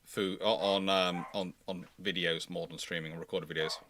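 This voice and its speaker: A man's voice: deep voice, little pitch movement, moderate pace, a bit bright, a little hiss or hum. A man hosting a casual live stream, chatting with co-hosts and varying between emphatic delivery and mumbled asides. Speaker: live stream host of a naval history channel.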